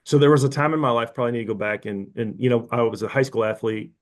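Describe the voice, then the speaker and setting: A man's voice: mid-range voice, fairly even intonation, quick pace. A man in his fifties talking frankly and casually as a podcast guest, rambling with restarts and asides. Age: 50s. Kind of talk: casual interview talk.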